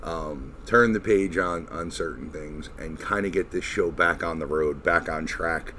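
Low-voiced man hosting a casual podcast. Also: sharp tone. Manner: halting, profane, informal. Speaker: podcast host. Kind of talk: casual chat. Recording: noisy recording.

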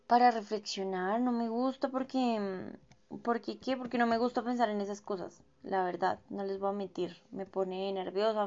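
Young Colombian woman with a Bogotá accent, casual slangy vlogger, dry throat, medium pitch. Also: muffled recording. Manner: gossipy and animated, heavy slang fillers, self-mocking. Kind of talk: casual chatty monologue.

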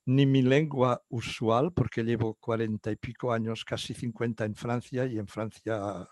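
An older man whose first language is Catalan speaks at an average pitch. He answers in a halting way, full of fillers and self-corrections. The sound is dry and close, with no room echo. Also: steady tone, a little mellow. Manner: hesitant, many fillers and restarts. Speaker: guest psychologist. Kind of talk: interview answers.

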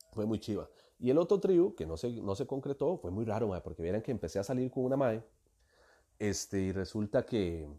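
A man's voice: fairly low pitch, mellow. A young man with a Costa Rican accent, hosting a podcast and telling a personal story in a casual, slangy monologue full of acted-out quoted dialogue. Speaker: podcast host.

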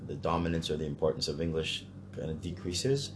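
A man's voice: rumbling low, brisk, background noise. A Canadian man talking casually in a discussion, hesitant as he thinks aloud.

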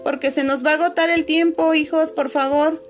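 A woman teacher, talking patiently to her pupils on a video call and filling pauses with "este". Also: high-pitched, fairly even intonation, soft background music. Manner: patient, many fillers, calls pupils "chicos" and "corazones". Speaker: schoolteacher. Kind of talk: online class video call.

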